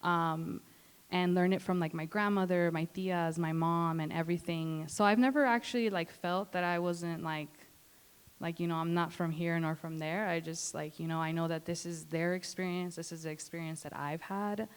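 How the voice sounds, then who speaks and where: A woman's voice: fairly low pitch, fairly even intonation, moderate pace, smooth. A young woman from Los Angeles speaking reflectively on a panel, filling her speech with "like" and "you know". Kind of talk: casual panel talk. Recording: reverberant hall.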